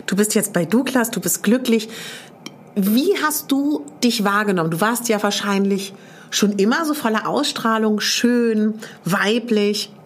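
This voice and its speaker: A woman's voice: mid-range voice, a little slow, breathy edge. A woman interviewer asking long, empathetic leading questions in a conversational interview.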